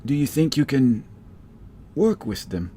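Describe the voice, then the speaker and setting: A man voicing a brisk white elf woman in a lifted voice. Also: mid-range voice, big pitch swings, dark tone, slight background noise, voice pushed up.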